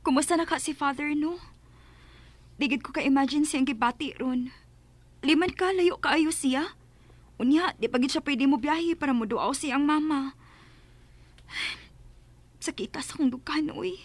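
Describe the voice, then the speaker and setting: High-voiced, earnest devout Bisaya woman. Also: a little slow, pauses often, dry recording. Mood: worried, compassionate. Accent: Bisaya Filipino. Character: devout, compassionate, easily offended woman confiding in a friend. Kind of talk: Bisaya radio drama comedy acting.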